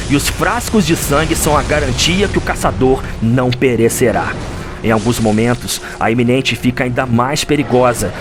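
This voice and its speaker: A Brazilian man delivering a solemn, theatrical scripted narration in the manner of a suspenseful audio drama. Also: medium pitch. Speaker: narrator of a video game lore audio drama. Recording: music under the voice. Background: background music.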